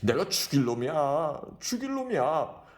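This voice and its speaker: A man voicing a drunk, boisterous middle-aged rickshaw man who talks in rough, loud shouts. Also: on the low side, very animated, normal speed. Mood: drunk grief.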